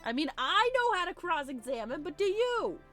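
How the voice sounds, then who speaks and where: A woman's voice: very high voice, big pitch swings, normal speed, pushed and bright, soft background music. A woman co-hosting a gaming video, chatting casually as she plays. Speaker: gaming channel co-host. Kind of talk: casual chat over a game playthrough.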